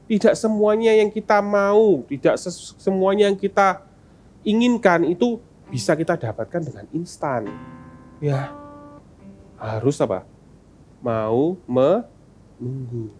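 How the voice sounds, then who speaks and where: Lively children's sermon teacher, swooping voice, soft guitar music behind. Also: medium pitch, slow pace, long pauses. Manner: animated, asks kids questions.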